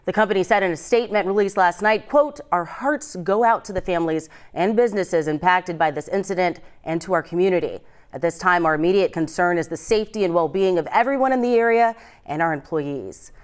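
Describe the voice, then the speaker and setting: A woman's voice: on the low side, brisk, clean tone. A woman with an American accent reading scripted morning news as a television anchor in a studio.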